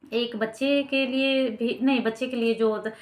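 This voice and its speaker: A woman's voice: a little high, steady tone, unhurried. Chatty woman vlogger, echoey room. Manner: rambling, many fillers and restarts. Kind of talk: casual storytelling to camera.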